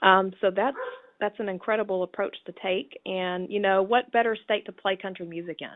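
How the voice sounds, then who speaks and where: The speaker's loudness swings widely while the intonation stays fairly even, in a Texan accent. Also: woman, medium pitch for a woman, moderate pace. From Texas, Houston. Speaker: interviewer. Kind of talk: interview. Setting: phone call.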